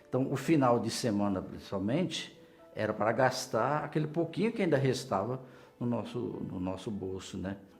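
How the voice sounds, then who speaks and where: With music playing in the background and audible room echo, a man speaks at a medium pitch with lively intonation. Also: moderate pace. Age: 60s. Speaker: businessman giving church testimony. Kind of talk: testimony. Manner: halting.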